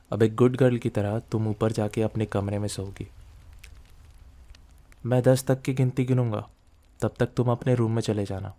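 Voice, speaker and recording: Man playing a dark-voiced, possessive mafia boss boyfriend. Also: lowish voice. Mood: teasing, commanding. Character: possessive, dominant male mafia boss boyfriend, teasing and obsessive. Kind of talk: intimate ASMR roleplay.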